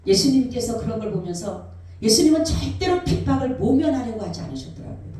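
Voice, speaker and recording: A woman pastor preaching with fervent passion, her voice swinging from loud cries down to hushed near whispers. Her tone is dark and mellow. She is heard from a distance in a church sanctuary full of heavy, roomy echo. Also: a little high, sing-song, fast. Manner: impassioned preaching, acting out cries and quotes with swings of loudness. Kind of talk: sermon.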